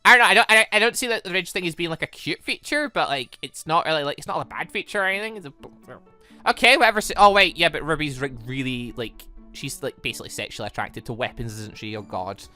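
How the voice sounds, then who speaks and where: A gaming host giving excitable, rambling commentary and reading visual novel dialogue aloud, often repeating words. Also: mid-range voice, fast talker. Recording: music behind the voice. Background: background music.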